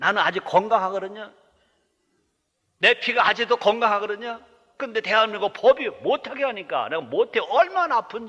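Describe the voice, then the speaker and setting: Speaking at a moderate pace with a raised, projected voice, a man uses lively intonation at a high pitch, with big swings in loudness. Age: 60s. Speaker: pastor. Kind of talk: sermon.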